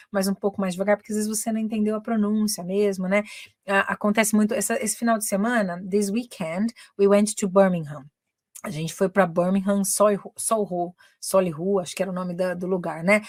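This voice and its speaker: A woman's voice: medium pitch, no echo, clean studio sound. A woman from Brazil, a native Portuguese speaker, teaching English in a live online lesson, switching between Portuguese and English with a chatty manner and frequent fillers.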